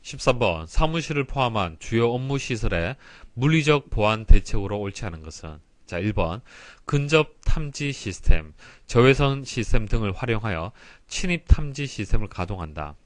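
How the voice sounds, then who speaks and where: A man's voice: fairly low pitch, big pitch swings, normal speed, hardly any pauses, no room sound. A man giving an explanatory exam prep lecture in a didactic way, stressing key terms and explaining politely. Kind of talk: explanatory lecture, reading and solving exam questions.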